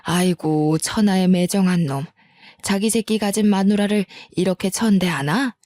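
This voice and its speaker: A woman's voice: mid-range voice, moderate pace, a little mellow, no echo, natural voice. A woman voicing an outspoken older housekeeper who scolds with indignation and protective concern. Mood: indignant.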